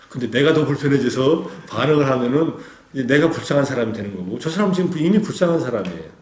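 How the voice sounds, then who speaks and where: A man who teaches Buddhist meditation gives a dharma talk, explaining patiently and posing rhetorical questions to his listeners. His voice is medium-pitched with a darkish tone, and the room has a roomy echo.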